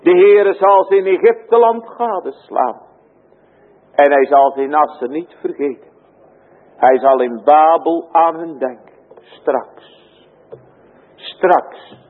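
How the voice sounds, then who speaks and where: Slow, solemn preacher, husky and echoing. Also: male voice, a little high, narrow, tinny audio. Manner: solemn, slow, rising to emphatic cries. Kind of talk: sermon. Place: church.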